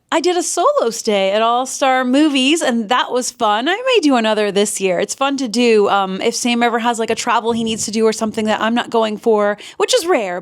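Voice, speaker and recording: A woman from Miami, a theme park vlogger, chatting enthusiastically through a casual year-in-review in her home office. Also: high-pitched. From Miami, United States. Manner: chatty and enthusiastic, with gushing asides. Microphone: sit-down home office recording.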